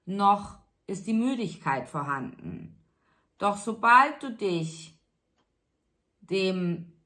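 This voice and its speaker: A woman giving a spiritual tarot reading, speaking slowly and soothingly straight to the listener. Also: mid-range voice, fairly bright tone. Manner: slow, soothing, addresses listener directly. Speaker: tarot reader.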